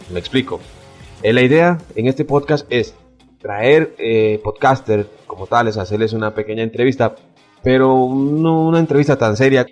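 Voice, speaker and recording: Friendly man, low voice. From Costa Rica. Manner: friendly, informal, thankful. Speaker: podcast community organizer. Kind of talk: recorded promo message.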